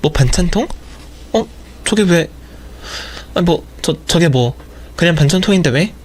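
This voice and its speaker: A man's voice: on the high side, lively intonation, measured pace. A man playing a defensive young wife who stammers and pleads with her husband. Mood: flustered. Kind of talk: audio drama storytelling.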